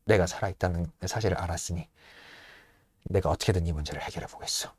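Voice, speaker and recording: A man hosting a show, retelling a play in a casual, animated storytelling manner from a room at home. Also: sits low, fast, slightly rough. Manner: animated, acts out lines with laughs.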